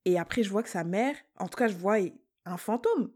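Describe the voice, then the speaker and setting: A woman's voice: mid-range voice, animated, fairly quick, darkish tone. A woman co-hosting a podcast, telling stories casually with lots of fillers and asides. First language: Lingala. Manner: chatty storyteller with many fillers. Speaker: podcast co-host. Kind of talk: casual storytelling chat.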